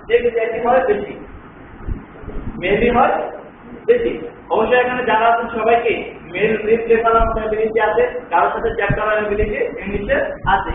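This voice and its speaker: High pitched guy teaching a class, keeps asking questions, tinny phone-like sound, noisy. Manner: asks the class many rhetorical questions; mixes English words into his talk. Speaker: trainer. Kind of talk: classroom lecture on English pronunciation. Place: training classroom. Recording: far-off, echoey, tinny, noisy room recording.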